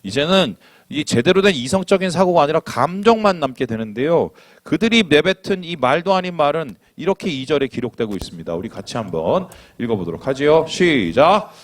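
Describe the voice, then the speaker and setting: A male pastor preaching a sermon in an animated way, asking the congregation questions and acting out quotes. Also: a little high, a little fast, few pauses, dry recording.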